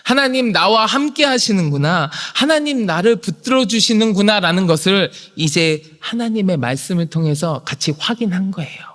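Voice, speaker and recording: A male pastor preaching a sermon, swinging from hushed whispers to shouted proclamation. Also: high voice, expressive, normal speed, hardly any pauses. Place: church sanctuary. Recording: long hall reverb.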